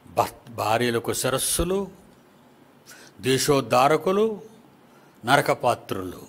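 A man preaching a sermon to his congregation, teasing the listeners with rhetorical questions. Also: mid-range voice.

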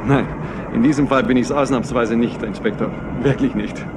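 An actor playing a polite, earnest company executive in a crime radio play. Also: male voice, medium pitch, fairly even intonation, normal speed, natural voice. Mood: polite, curious. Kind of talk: retro German crime radio drama dialogue. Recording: loud background noise of a vehicle ride.

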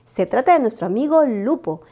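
A woman hosting children's story time with a bright, sing-song, welcoming delivery, addressing young listeners. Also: a little high, expressive, fairly quick. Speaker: host reading children's storybooks.

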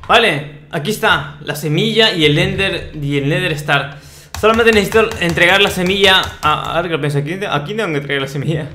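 Young man, bright high voice, excitable gaming chatter. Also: a little fast, slight background noise. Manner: excitable, shouting at enemies, comic. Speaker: gaming youtuber. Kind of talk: playing a game.

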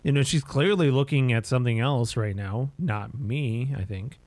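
A man in his thirties streams a horror game with casual commentary. His voice is mid-pitched and sounds dry, with no room echo. He muses and speculates in a half-joking way. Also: moderate pace, a little mellow. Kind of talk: casual gameplay commentary and reaction.

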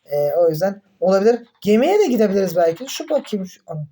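A young man commentating his own mobile game in casual chat, excitable, groaning and cursing when things go wrong. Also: high-pitched, fast talker.

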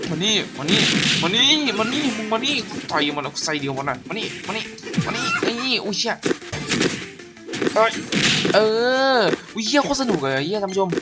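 Excitable man cursing through a game. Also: high-pitched. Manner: excitable, profane, keeps shouting "come here" at enemies. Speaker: gaming YouTuber. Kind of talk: casual gameplay commentary. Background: game music.

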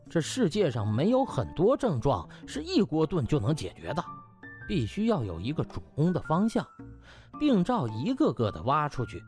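Man playing cocky young doctor, very animated. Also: fairly high pitch. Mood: lecturing. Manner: chatty, mock-humble, needling.

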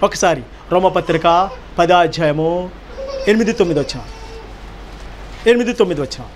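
A man's voice: high voice, moderate pace, a little hiss or hum. A man pastor delivering a sermon, emphatic, firing rhetorical questions and repeating key phrases.

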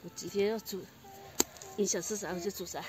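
A woman's voice: medium pitch, fairly even intonation, brisk, warm tone, a little hiss or hum. A young woman chatting casually outdoors in a rural yard, an easygoing food vlogger. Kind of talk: casual chat.

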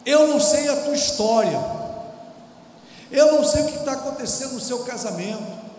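A man, a visiting pastor, preaching a fiery sermon in a large church, shouting and half-singing some lines. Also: very high voice, animated, moderate pace. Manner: shouts and sings lines, acts out quoted believers. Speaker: guest pastor. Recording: echoey church hall, distant mic, faint noise.

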